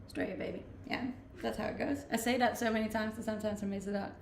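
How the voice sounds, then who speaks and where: Danish-accented female streamer, gravelly, chatty and self-deprecating, echoey room with faint noise. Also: medium pitch, fairly even intonation, fast. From Denmark. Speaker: Twitch streamer. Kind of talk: casual live-stream chat, reading out and answering viewer comments.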